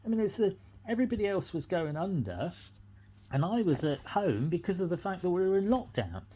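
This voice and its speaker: A middle-aged person with a British accent speaks off the cuff as an aggrieved tenant making a complaint, indignantly going back over the same points in an unscripted monologue. The mid-range voice is warm and fairly quick, with big pitch swings. The recording is rough, with slight background noise.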